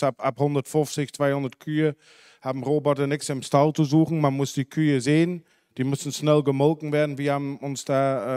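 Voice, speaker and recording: A man's voice: medium pitch, a little mellow, smooth, dry recording. Dutch farmer guy talking at a conference, lots of ums and restarts, clean dry handheld mic sound. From Netherlands. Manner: halting, many fillers and self-corrections. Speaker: dairy farmer speaker. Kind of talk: unscripted talk at a symposium. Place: large conference hall. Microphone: handheld microphone.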